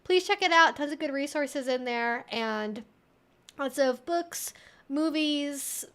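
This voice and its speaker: A woman's voice: high-pitched, slow, a bit bright. A woman hosting a livestream, chatting casually and informally, rambling a little as she thinks aloud. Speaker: livestream host and educator.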